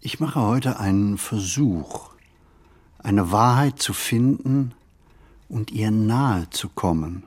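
An actor playing a pensive, hesitant city stroller in a radio play monologue, speaking deliberately and haltingly with a husky voice. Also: male voice, fairly low pitch, expressive, exaggerated voice. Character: male pensive, hesitant city stroller musing on everyday life.

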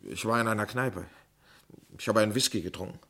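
A man playing an agitated, defensive lover under suspicion in a crime radio play, arguing urgently and haltingly. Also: fairly low pitch, creaky, a bit bright. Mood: tense, troubled.

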